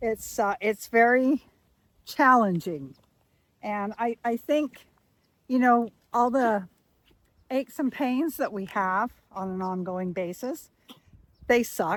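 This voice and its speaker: A woman speaks at a very slow pace with long, frequent pauses and lively intonation in a fairly high pitch. The sound is dry and close, with no echo. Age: 70s. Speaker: artist and vlogger. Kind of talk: casual vlog talk while walking. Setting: outdoors, walking, handheld camera. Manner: casual with many fillers.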